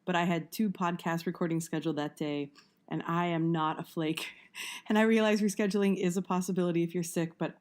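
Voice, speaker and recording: A woman hosts a casual interview show with a strained, husky voice, hoarse from allergies. Her pitch sits low and she laughs easily at her own struggle to speak. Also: fairly even intonation, a little fast, darkish tone. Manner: laughs often, self-deprecating. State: hoarse, nearly lost voice from allergies. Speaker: podcast host.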